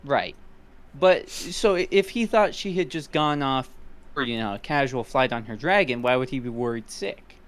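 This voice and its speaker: A man co-hosting a podcast, talking casually in an animated, exasperated way. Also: medium pitch, moderate pace. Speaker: podcast co-host. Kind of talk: casual chat.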